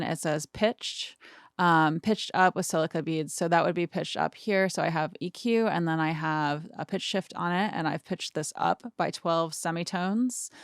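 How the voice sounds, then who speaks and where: A woman in her thirties hosts a casual screen-share tutorial on music mixing, thinking aloud as she demonstrates. Her voice is deep and gravelly, recorded close and dry in a small studio.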